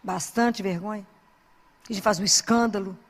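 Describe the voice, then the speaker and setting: A woman's voice: medium pitch, fairly even intonation, moderate pace, big-room sound. A woman who is a Christian speaker and doctor, giving an informal sermon full of anecdotes in an earnest, exhorting, conversational way.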